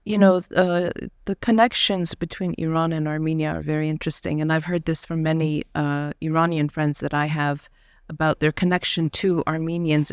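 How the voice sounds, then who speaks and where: Woman podcast host, smooth resonant voice, measured delivery with fillers, dry studio sound. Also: sits low, no echo. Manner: measured, with frequent fillers and soft laughs. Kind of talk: podcast interview. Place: university studio.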